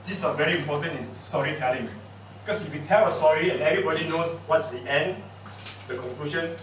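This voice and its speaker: A man with a Singaporean English accent gives a lively, playful public speaking workshop, quizzing and teasing his audience. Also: on the high side. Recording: echoey room picked up from a distance with background noise.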